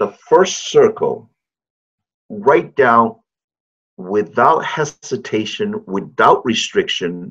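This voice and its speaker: A man speaking at a fairly slow pace. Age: 60s. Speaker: life coach. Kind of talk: interview conversation.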